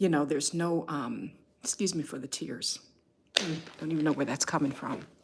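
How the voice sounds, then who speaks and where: Her voice very deep and low, a woman speaks at a fairly quick pace with lively intonation and long, frequent pauses. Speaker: online business coach and community leader. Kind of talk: live stream workshop talk. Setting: live stream. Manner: halting, many fillers.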